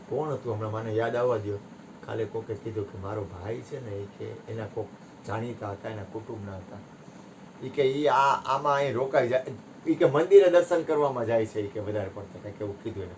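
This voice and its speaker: A man giving a satsang discourse, telling parables with sharp rises and drops in his voice. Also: mid-range voice, noisy background. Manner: animated storytelling, voice rising and dropping sharply. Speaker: spiritual teacher.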